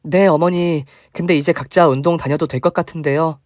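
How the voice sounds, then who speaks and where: A man voicing a flustered young wife who makes high, pleading protests in a storytelling video. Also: fairly even intonation, brisk, darkish tone, no room sound, clean studio sound, close to an everyday voice.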